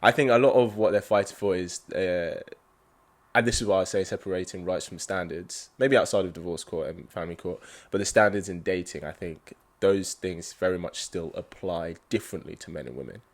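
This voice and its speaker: Low-voiced, easygoing male host. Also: a little fast. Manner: easygoing, agreeable interviewer. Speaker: podcast host. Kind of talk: casual interview chat.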